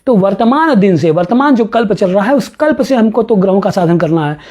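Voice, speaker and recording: A male professor's lecture moves through a classical astronomy text: slow readings of the verses, then explanations peppered with rhetorical questions and chuckles. His high voice is expressive and somewhat dark in tone.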